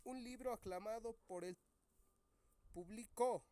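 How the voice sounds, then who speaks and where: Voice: medium pitch, measured pace, slight background noise. A teacher going over exam questions with students, reading each option aloud and reasoning through it. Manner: reads options aloud, thinks out loud. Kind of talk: classroom exam review.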